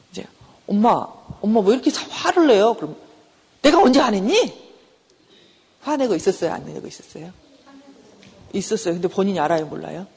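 A woman's voice: medium pitch, a little mellow, slightly rough. A middle-aged woman, a professor, giving a conversational university lecture on counseling. She asks the class questions, answers them herself and acts out short everyday exchanges. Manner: acts out quick everyday exchanges in shifting voices. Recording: lecture hall with long reverb.

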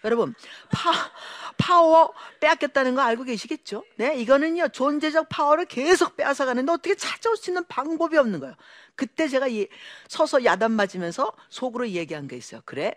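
A Korean-born woman giving an emotional personal testimony to an audience, telling her story in an animated way and acting out the voices of the people in it. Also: high-pitched, a little fast, no room sound, clean studio sound.

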